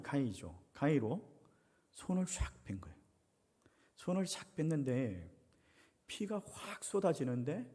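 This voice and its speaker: A middle-aged pastor preaching in a church sanctuary, telling a story and lively in his pitch as he acts out the people in it. His voice is a little husky, and a long hall reverb trails each phrase. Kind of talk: sermon with personal story.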